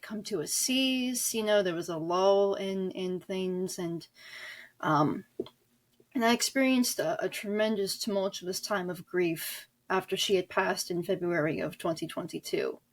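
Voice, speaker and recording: Woman in her 20s being interviewed, kinda reflective, keeps stopping to find her words. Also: medium pitch. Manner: halting, searching for words. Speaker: guest author and audio drama creator.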